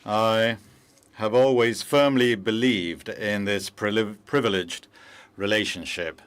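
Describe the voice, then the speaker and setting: A man working as a simultaneous interpreter for a formal speech, measured and halting with frequent pauses and fillers, into a booth microphone. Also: on the low side, steady tone, a bit bright, clear, resonant tone. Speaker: conference interpreter.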